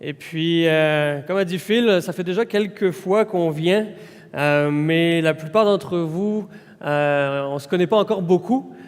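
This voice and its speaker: A man in his thirties with a French accent speaks as a pastor, easy and conversational, with frequent pauses. His voice sits a little high. It carries a long reverb from a church hall. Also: clear, resonant tone. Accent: French from France. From France. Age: 30s. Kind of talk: informal sermon introduction.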